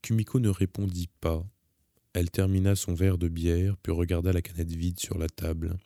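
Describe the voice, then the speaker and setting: A man calmly reading a novel aloud in the first person, measured and even. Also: low-pitched, no echo, studio quality. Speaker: audiobook narrator.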